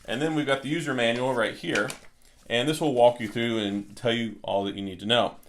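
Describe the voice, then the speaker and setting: A man with a medium-pitched voice presents an unboxing in a casual, explanatory way. He talks like a product reviewer, going through each item step by step. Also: steady tone, brisk, fairly bright tone, slight background noise.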